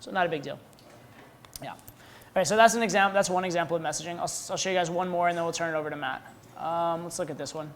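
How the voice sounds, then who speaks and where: Very fast with long, frequent pauses, a man with an American accent and a high pitch speaks in fairly even intonation, with audible room echo. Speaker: dating coach. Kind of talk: workshop lecture. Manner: casual, filler-heavy.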